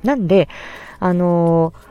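A woman speech therapist hosting a solo podcast, explaining gently with many pauses and fillers. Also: fairly low pitch, smooth, lo-fi sound, soft background music.

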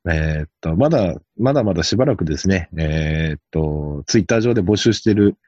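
A low, husky male voice that swings widely in pitch as he rambles through a casual podcast chat. He fills his talk with hesitations and trailing asides. The sound is dry and a bit dull, like a lo-fi home recording. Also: expressive, a little fast, darkish tone, no echo. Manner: rambling, hesitant, many fillers. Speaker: podcast host.

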